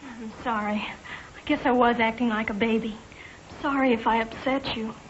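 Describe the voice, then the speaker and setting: A woman's voice: a little high, fairly even intonation, moderate pace, lo-fi sound, a little hiss or hum, lightly acted. An actress playing a dramatic, sulky teenage girl in 1940s radio acting on an old broadcast. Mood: moping. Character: upset teenage girl Corliss.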